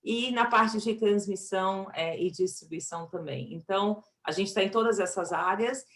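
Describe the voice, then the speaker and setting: A woman's voice: medium pitch, moderate pace. A woman with a Brazilian accent, a chief executive presenting her company on a business panel.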